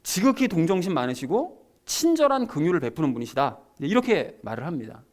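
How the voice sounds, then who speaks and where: Man, pastor, sermon, conversational, emphatic, fast talker, lively pitch. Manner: conversational, emphatic, addresses congregation directly.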